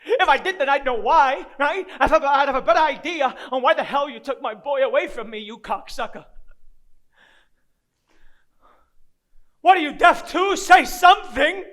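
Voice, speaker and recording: A man's voice: extremely high pitch, brisk, fairly bright tone. An actor playing a down-and-out grieving father, self-loathing and desperate, rambling in streetwise, profane dramatic monologue. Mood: bitter, angry. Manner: rambling, profane, streetwise, talking to an unseen child.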